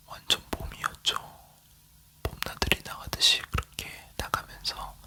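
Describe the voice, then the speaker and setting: An ASMR creator from South Korea leaning in to whisper, chatting casually as they tell a travel story. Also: pushed and bright.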